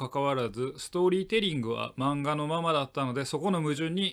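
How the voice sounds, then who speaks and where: The recording is very clean with a silent background, and a man's intonation is lively. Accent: Kansai. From Kansai, Japan. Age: 30s. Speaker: podcast host. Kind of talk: casual chat.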